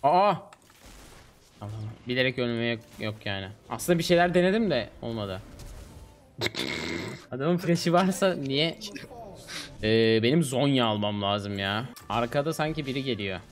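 A man in his twenties streaming a game, chatting casually and excitably with slangy, teasing banter. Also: mid-range voice, moderate pace. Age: 20s. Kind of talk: casual gaming commentary with a teammate. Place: small home streaming room, indoors.

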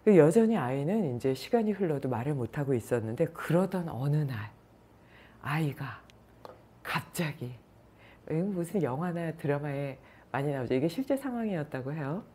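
Yoga teacher lady, low dark voice, soft and unhurried, telling a story. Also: lively intonation, a little hiss or hum. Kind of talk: storytelling talk.

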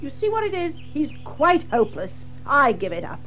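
Casting: excitable water rat, very high-pitched, bossy, indignant, for children's audio drama. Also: male voice, normal speed, soft background music, heavily acted. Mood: weary, resigned. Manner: indignant, blustering, emphatic British exclamations. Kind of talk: full-cast children's audio drama acting.

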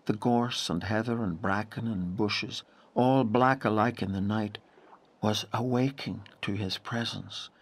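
An actor playing a grave, intense narrator in a literary audio drama, measured and full of dramatic pauses. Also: male voice, lowish voice. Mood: hushed wonder. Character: grave narrator haunted by a wild lake memory.

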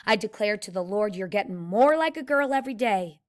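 A woman's voice: mid-range voice, expressive, a little fast, lightly acted. A woman reading as a bossy boy big brother. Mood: impatient. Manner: impatient, commanding. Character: bossy boy, about twelve, older brother. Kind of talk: read-aloud character voice.

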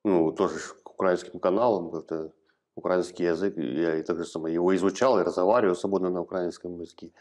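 Halting, very low-voiced man. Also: fairly even intonation, darkish tone. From eastern Ukraine. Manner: hesitant, halting, plain-spoken. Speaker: interviewee. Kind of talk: interview answers. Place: small office room, indoors. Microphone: clip-on lapel mic.

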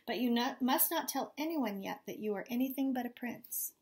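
A woman reading aloud as a wise, magical white mare who gives calm, solemn commands. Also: fairly high pitch, normal speed.

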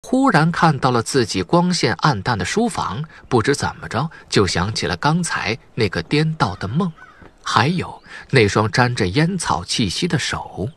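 A man's voice: medium pitch, sing-song, moderate pace, fairly bright tone, slightly rough. A man reading a novel aloud as an audiobook narrator, in scripted dramatic storytelling.

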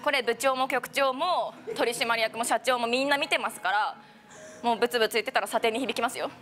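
A woman's voice: a little high, a little fast, fairly bright tone, soft background music. A young woman announcer hosting a variety segment with firm, teasing banter. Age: young adult. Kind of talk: unscripted variety-show banter.

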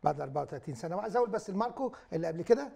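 Older Egyptian man, gravelly, quick and reassuring TV guest. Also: high voice, animated, mellow. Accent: Egyptian Arabic. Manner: jovial, reassuring, rapid. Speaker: guest speaker, doctor. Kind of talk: live studio talk show.

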